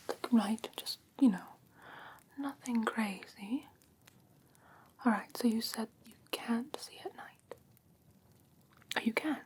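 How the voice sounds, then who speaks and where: Whispering softly and breathily at a fairly high pitch, a woman voices an ancient fae, haughty but curious, for an ASMR fantasy roleplay. She sounds musing and curious, speaking in an unhurried, halting, matter-of-fact way with a faint air of condescension. The recording is close-miked on an ASMR mic, with clear ambient noise behind her.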